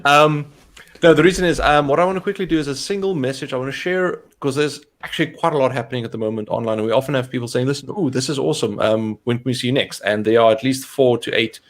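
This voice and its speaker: Co-hosting a live question-and-answer stream about cloud topics, this fast-talking man has a mid-range voice. He keeps things conversational and chatty, using fillers constantly.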